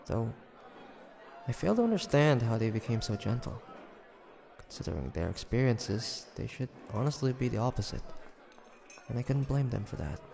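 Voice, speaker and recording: A man playing a hesitant, gentle young demon hunter in an intimate audio roleplay, with halting, murmured delivery. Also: medium pitch, big pitch swings, creaky, a crowd in the background. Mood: pensive. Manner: halting, murmured musing, stammers when flustered.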